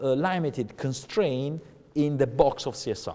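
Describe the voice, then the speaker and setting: The speech moves at a fairly quick pace with ordinary pitch variation. Its tone is dark and mellow. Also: man. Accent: Italian. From Italy. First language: Italian. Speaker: professor. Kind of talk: lecture. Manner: halting.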